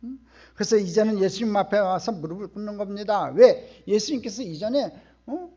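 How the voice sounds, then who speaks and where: Emphatic Korean pastor preaching, husky voice. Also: male voice, high voice, a little fast, lo-fi sound. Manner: emphatic, rising to loud outbursts, asks the congregation questions. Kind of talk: sermon. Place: church sanctuary.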